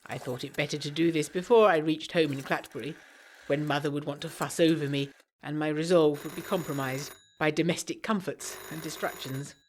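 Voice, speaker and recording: A woman's voice: sits low, brisk, slight background noise, natural voice. An actress playing an earnest, anxious young Englishwoman of the 1920s, reading her letter in formal, articulate English tones for a gothic audio drama. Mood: reflective. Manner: formal, articulate, expressive period diction.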